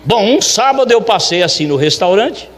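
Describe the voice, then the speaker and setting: A man, a restaurant owner telling a church testimony in an animated way and acting out the dialogue. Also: high voice, normal speed, long reverb tail.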